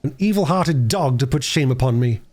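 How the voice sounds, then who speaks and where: A man's voice: mid-range voice, animated, normal speed, darkish tone, close to an everyday voice. A man voicing a proud young squire who speaks in sullen, indignant archaic phrases for a storybook. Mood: resentful. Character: proud, resentful young male squire hero.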